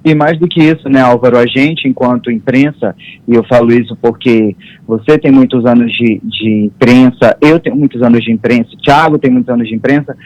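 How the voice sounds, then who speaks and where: A man's voice: mid-range voice, steady tone, a little fast, darkish tone, lo-fi sound. A man commenting on politics on a news show, speaking firmly and stressing his points by repeating them. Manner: firm, emphatic and repetitive. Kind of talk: studio commentary.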